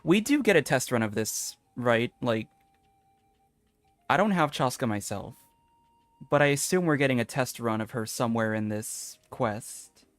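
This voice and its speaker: A man's voice: medium pitch, lively intonation, measured pace, no room sound. A man live streaming a video game, chatting casually and rambling as he thinks aloud. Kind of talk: casual gaming stream chat.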